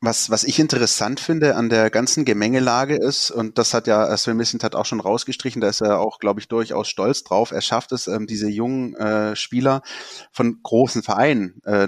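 Male co-host, mid-pitched, curious questioning tone, dry recording. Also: no room sound. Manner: inquisitive, asks the others. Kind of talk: casual podcast discussion.

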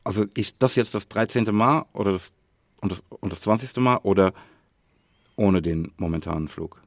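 A man co-hosting a podcast in casual chat, thinking aloud in a deliberate way. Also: fairly low pitch, no echo, clean studio sound. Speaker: podcast co-host.

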